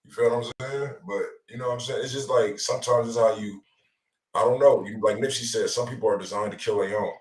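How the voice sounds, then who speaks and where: A man's voice: mid-range voice, steady tone, fast talker, darkish tone. A man, hosting an online show in casual, slang-heavy chat. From Los Angeles area. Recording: roomy echo, far from mic.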